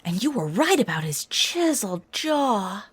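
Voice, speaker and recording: A woman's voice: medium pitch, sing-song, measured pace, breathy edge, no room sound. An actress playing a chatty, teasing young female student assistant in an audio drama. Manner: teasing, matchmaking.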